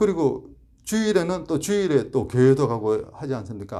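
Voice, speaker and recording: A man's voice with a dark, mellow tone. His pitch swings very widely. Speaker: YouTuber giving life advice. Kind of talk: monologue talk to camera. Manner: conversational, rhetorical questions.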